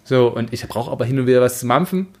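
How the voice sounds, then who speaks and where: Emphatic man with a mid-pitched voice. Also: fast, a little mellow. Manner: colloquial, exasperated, emphatic critic. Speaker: podcast co-host. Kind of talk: casual book discussion.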